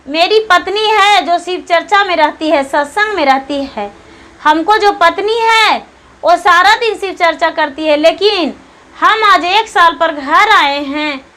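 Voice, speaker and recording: A woman's voice: very high-pitched, unhurried, bright, forceful tone, heavily acted. A woman voicing a stubborn young husband who complains defiantly in a devotional tale. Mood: complaining.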